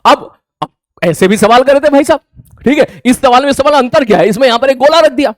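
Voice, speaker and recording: Brief: young male physics teacher, high voice, chummy and brisk, dry close sound. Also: no echo. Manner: brisk, chummy, calls students brother. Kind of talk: exam solution walkthrough.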